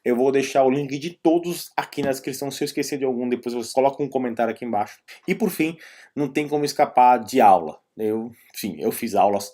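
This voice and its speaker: A Brazilian Portuguese accent colors this man's quick, dark-toned, mid-range voice. He talks casually to his audience like a vlogger, rambling through explanations and suggestions with plenty of digressions.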